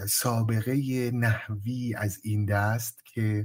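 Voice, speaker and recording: The man's voice sits fairly low and sounds somewhat breathy. There is a very clean recording with a silent background. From Iran, Mazandaran (Sari). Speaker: artist and translator. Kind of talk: interview.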